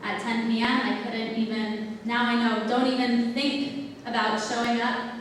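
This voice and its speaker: A young woman from the United States giving a public talk, hesitant with many pauses and restarts, recorded far off in a lecture hall. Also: a little high, little pitch movement, slight background noise. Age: young adult. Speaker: exchange student speaker. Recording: echoey hall, mic far off.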